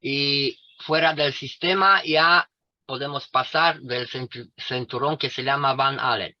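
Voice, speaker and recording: A man speaking slowly and deliberately on a video call, pausing often for his interpreter. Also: mid-range voice. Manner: deliberate, with pauses and fillers. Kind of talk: slow lecture-like talk, pausing for translation. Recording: dry, lo-fi video call audio.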